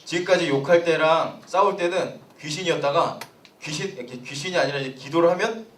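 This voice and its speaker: A young man, a pastor, giving a sermon to a youth congregation in a lively storytelling way and putting questions to the listeners. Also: a little high, fairly quick. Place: church hall. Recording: roomy hall, voice from a distance.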